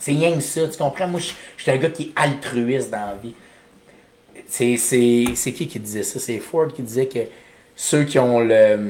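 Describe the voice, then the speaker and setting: He speaks at a medium pitch, and his pitch varies in an ordinary way. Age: 30s. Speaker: comedian and gym owner. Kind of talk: casual chat. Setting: video livestream. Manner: animated.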